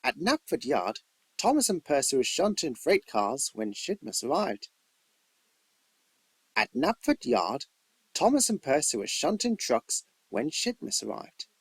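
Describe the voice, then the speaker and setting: An amateur male narrator reads a scripted story in a fairly high voice with a husky edge. His delivery is theatrical and emphatic, swinging widely in pitch from phrase to phrase. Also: very animated, unhurried, no echo.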